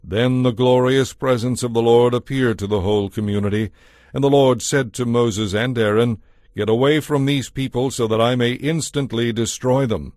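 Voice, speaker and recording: A man narrating scripture from a script as a storyteller, in a measured, solemn way. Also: mid-range voice, fairly even intonation, darkish tone, no room sound, clean studio sound.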